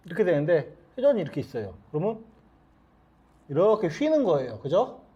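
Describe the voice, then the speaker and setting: Man, middle-aged, billiards coach; high, animated voice, talks through each shot with questions. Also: fairly quick, breathy edge, lo-fi sound. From South Korea. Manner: explains step by step with many rhetorical questions. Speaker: billiards instructor. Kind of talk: demonstration lesson.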